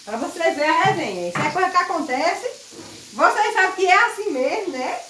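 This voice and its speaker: A woman vlogging casually while she cooks at the stove at home, loud and chatty, laughing often. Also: very high voice, sing-song, a little fast, slight background noise. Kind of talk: casual chat while cooking. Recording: echoey kitchen, mic set far off.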